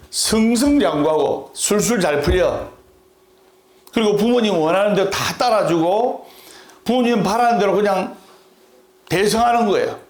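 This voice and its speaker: A male Buddhist monk preaching with a Gyeongsang accent softened by Seoul speech. He talks deliberately and leads the audience in repeating after him. His voice is high for a man, and a roomy echo surrounds it. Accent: Gyeongsang, mixed with Seoul. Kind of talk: sermon with humor.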